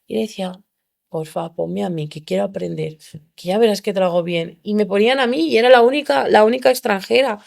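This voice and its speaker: A young woman from Spain, a podcast guest, telling her story in an animated way and acting out the people she quotes. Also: mid-range voice, a little fast, vocal fry. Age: young adult. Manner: animated, acts out quoted voices. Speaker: interview guest.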